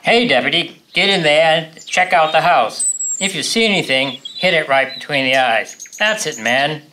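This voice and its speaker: Man acting a sharp, brusque police chief. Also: fairly high pitch, lively intonation, normal speed, slight background noise. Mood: barking orders. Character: brusque, commanding small-town police chief. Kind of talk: staged radio play acting. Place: stage. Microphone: stand microphone.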